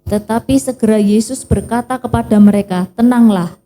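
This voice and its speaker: A woman reads scripture aloud in a very dark, mellow voice at a middle pitch. Her reading is steady and plain. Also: normal speed, faint music behind, low-quality recording. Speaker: scripture reader.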